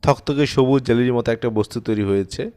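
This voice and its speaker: A man reading a short story as an audiobook narrator, in an expressive storytelling style. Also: medium pitch, brisk, clean tone.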